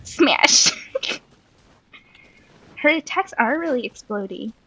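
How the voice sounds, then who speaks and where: A woman chatting casually while hosting a gameplay video, excitable and giggly, given to exclamations and sing-song bits. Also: sits high, slow pace, breathy edge, low-quality recording. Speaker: gaming video host.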